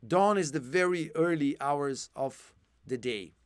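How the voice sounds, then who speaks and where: A man's voice: on the high side, animated, measured pace, clear, resonant tone, dry recording. A man teaching English in a live one-to-one online lesson, explaining words patiently with many fillers and restarts, his voice tiring. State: losing his voice.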